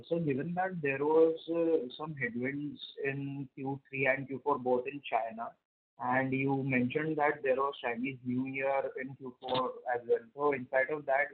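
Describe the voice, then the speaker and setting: Male caller on a tinny phone line. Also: medium pitch. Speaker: investor caller. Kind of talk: polite prepared questions on a conference call.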